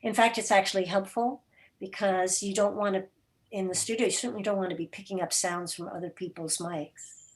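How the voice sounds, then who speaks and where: A woman answering questions as a guest in a casual online discussion, matter-of-fact, with pauses in the middle of her explanations. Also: mid-range voice, fairly even intonation, low-quality recording. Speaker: guest, radio drama producer and interviewer. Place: remote video call.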